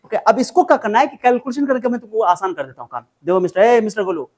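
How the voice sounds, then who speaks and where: Quick-paced and sing-song, this chemistry teacher's high voice has a slightly mellow tone. During an informal tutoring lesson he mixes Hindi and English terms, drills formulas repeatedly, and scolds the student.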